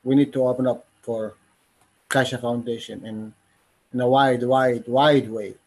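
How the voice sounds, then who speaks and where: A man speaking as a panelist on an online call, slow and earnest, in broken phrases. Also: mid-range voice, steady tone, a little mellow, a little hiss or hum, low-quality recording. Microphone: video call.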